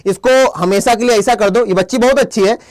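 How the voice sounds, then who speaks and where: A young man teaches English live online, asking quiz questions and playfully scolding chat commenters. He has a Hindi accent, a voice that sits high, and a fairly quick delivery.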